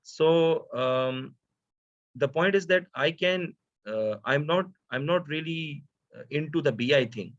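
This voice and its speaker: A man with a South Asian accent giving an informal data science lecture, speaking haltingly with frequent hesitations and rhetorical questions. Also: a little high, dry recording. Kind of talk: informal lecture, code-switching. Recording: dull, dry lo-fi audio.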